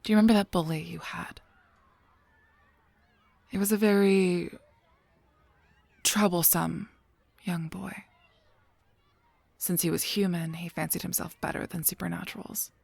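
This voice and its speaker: A woman playing a gentle, guarded guardian angel in a scripted audio roleplay, speaking softly and breathily in a measured, halting, solemn way. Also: fairly low pitch, fairly even intonation, no echo. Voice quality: soft, breathy, often near a whisper.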